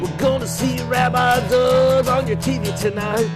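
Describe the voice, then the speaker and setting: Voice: mid-range voice, steady tone, unhurried, over loud music. A singer performing a cheerful sing-song promo jingle. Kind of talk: sung jingle.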